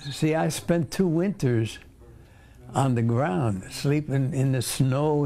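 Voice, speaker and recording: Speaking at a very slow pace, a man with a fairly high pitch keeps ordinary pitch variation and very even loudness. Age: 80s+. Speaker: war veteran. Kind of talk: interview answer. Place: home room. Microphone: lapel.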